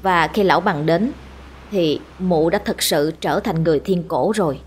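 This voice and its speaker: A woman narrating a scripted village ghost story in a steady, measured way. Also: lowish voice, husky.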